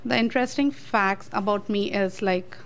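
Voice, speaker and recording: A woman's voice: mid-range voice, normal speed. Earnest woman guest, a few fillers. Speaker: interview guest.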